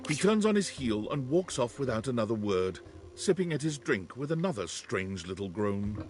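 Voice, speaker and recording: A man's voice: medium pitch, big pitch swings, normal speed. A man reading scripted second-person narration for a story game as its narrator. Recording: music behind the voice.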